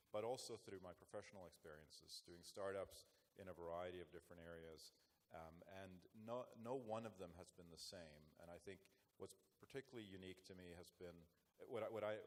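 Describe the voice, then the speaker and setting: A man's voice: low-pitched, slight background noise. A man, answering as a conference panelist in a reflective, earnest way. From Norway. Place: conference stage.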